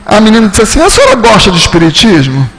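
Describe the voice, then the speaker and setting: Animated high-voiced male spiritist lecturer. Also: fast talker, husky, low-quality recording. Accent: Rio de Janeiro Portuguese. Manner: animated storytelling, acts out dialogue with shifting pitch. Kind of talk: storytelling lecture. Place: spiritist centre lecture hall.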